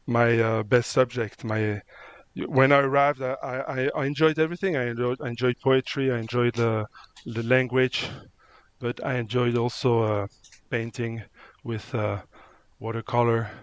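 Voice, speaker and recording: A man from France with a French accent, answering interview questions in halting English and searching for words. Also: medium pitch, fairly even intonation, smooth, lo-fi sound. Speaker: photographer, guest.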